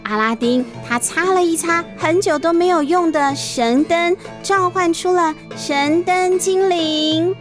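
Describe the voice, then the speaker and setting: A woman's voice: very high voice, unhurried, few pauses. A woman narrating a children's storybook in a chatty way, stopping to explain things. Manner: chatty, explanatory asides with sentence-final particles. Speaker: storyteller, host. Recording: faint music behind the voice.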